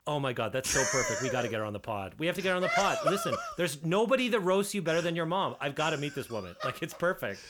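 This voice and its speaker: A man co-hosting a podcast, enthusiastic and quick to laugh as he hypes up his co-host in casual chat. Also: a little high, big pitch swings, noisy background.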